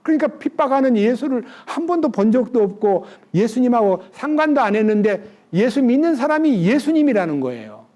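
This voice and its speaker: A man preaching a sermon with a high-pitched voice. His tone is soft and mellow, never sharp. He talks to the congregation directly and keeps asking them questions. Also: big pitch swings, fairly quick, hardly any pauses, muffled recording. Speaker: pastor.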